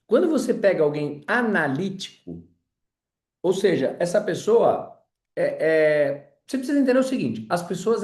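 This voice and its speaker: High-voiced chatty man, echoey room. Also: darkish tone. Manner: chatty, tells personal stories, addresses audience as "gente". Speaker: sales trainer. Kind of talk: informal sales class.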